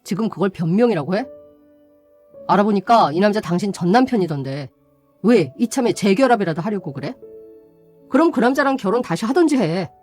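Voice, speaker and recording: A woman's voice: medium pitch, lively intonation, a little fast, pauses often, a little mellow, soft background music, natural voice. A woman voicing a betrayed young man who speaks sternly and bluntly, in radio drama style. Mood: angry.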